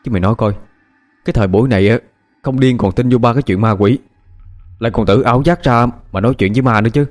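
A man voicing an exasperated young man who scolds his best friend loudly. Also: on the low side, fast talker, soft background music, lightly acted.

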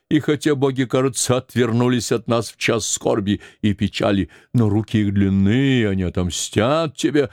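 A man reading an audiobook voices a grieving 86-year-old nurse who laments and scolds in a high, quavering voice. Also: a little mellow, no echo, clean studio sound, natural voice. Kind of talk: audiobook character voice.

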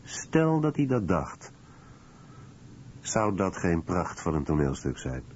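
A man's voice: deep voice, big pitch swings, takes it slowly, a little mellow, slight background noise. A man reading translated commentary as a scripted documentary voice-over. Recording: dull lo-fi radio recording.

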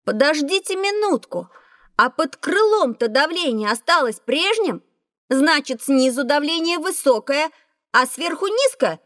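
A woman voicing a lively, curious schoolboy who asks eager questions in a children's audio drama. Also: sits high, unhurried, no room sound, exaggerated voice. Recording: dry studio recording.

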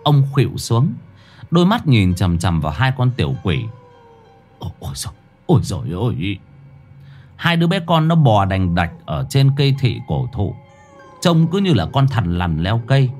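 A man narrating a ghost story in a dramatic manner, slowing down for suspense. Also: fairly low pitch, very animated, a little mellow, faint music behind.

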